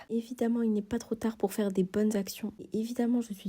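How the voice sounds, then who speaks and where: Soft-spoken and somewhat breathy, a woman talks in a dark, mellow tone at a fairly high pitch. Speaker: podcast host and bookshop founder. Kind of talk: casual monologue, charity appeal.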